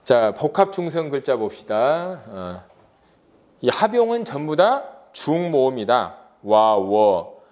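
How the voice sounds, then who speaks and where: A man's voice: fairly high pitch, very animated, unhurried, darkish tone. A man giving an exam-prep lecture, asking rhetorical questions and drawing out vowel sounds as examples.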